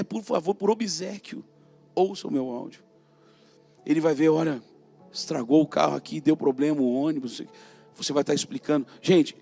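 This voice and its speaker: Brazilian male preacher, gravelly, emphatic, loud calls and quiet asides, soft music bed. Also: a little high. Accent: Brazilian Portuguese. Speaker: prophet preacher. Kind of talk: sermon.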